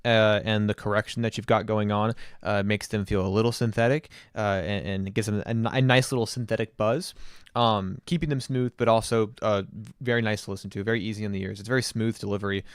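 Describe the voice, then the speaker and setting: A man talking through a casual music review on stream, mid-pitched and rambling, full of fillers and restarts. His voice is smooth and clear, recorded close and dry with no room sound. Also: steady tone, brisk, no room sound.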